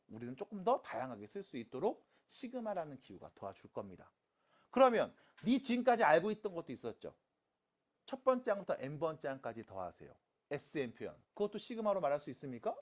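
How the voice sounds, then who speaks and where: A math teacher lecturing high school students in a playful way, asking questions and answering them, with silly sound effects while writing. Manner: talks students through writing on a board.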